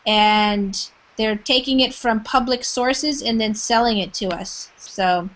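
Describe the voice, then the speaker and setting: A woman's voice: a little high, slow, a bit bright. Woman teaching an online English class. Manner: encouraging, asks many questions.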